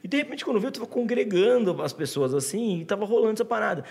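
A man's voice: sits high, animated, very fast, creaky, a little mellow, long reverb tail. A man with a Brazilian accent, telling a long story in loose, slangy chat with many restarts. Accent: Brazilian Portuguese. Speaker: guest author. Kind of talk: casual chat.

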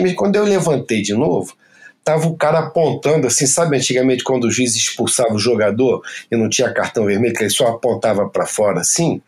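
A Brazilian man with a Brazilian Portuguese accent, telling a story as an interview guest in a casual, profane and animated way. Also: medium pitch, vocal fry.

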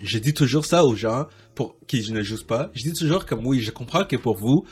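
A man's voice: mid-range voice, lively intonation, normal speed, darkish tone, breathy edge. A man hosting a casual soccer interview, rambling with many restarts. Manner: rambling, many restarts and fillers, laughs often. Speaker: podcast host.

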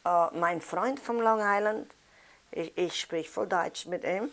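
Ältere Frau, tiefere Stimme, deutscher Einschlag. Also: female voice, on the low side, takes it slowly, fairly bright tone. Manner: swings between German and English. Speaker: emigrant interviewee. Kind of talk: casual chat.

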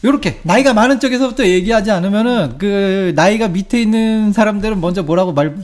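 A man's voice: high voice, a little fast. A Korean man in his forties explaining things in a casual chat and acting out short dialogues. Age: 40s. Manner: explanatory, acts out little dialogues.

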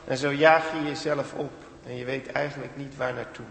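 Dutch preacher echoing in a church. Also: male voice, medium pitch, steady tone, moderate pace, vocal fry. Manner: earnest, rises to emphatic peaks then drops quiet. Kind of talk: sermon. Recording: echoey church hall with long reverb.

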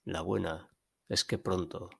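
A man playing a grave, ominous caller who delivers gloomy news in a deadpan, dramatic way. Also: low-pitched, slow pace, vocal fry, husky, no room sound, full character voice.

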